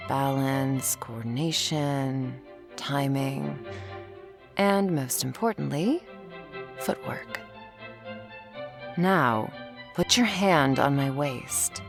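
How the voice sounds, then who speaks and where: Low, gravelly, commanding female hunter. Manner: commanding, teasing, dominant. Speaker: ASMR roleplay performer. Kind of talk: ASMR roleplay. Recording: faint string music behind.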